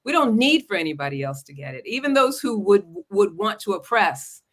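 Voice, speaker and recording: A woman's voice: medium pitch, big pitch swings, a little fast. An American woman hosting an interview podcast, affirming her guest and chatting with enthusiasm. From United States. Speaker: podcast host and relationship coach.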